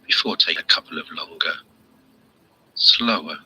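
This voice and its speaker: A man narrating a scripted sleep hypnosis meditation in a soothing, measured way, soft and breathy with deliberate pauses. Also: very deep voice, poor audio. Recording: music bed under the voice. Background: music.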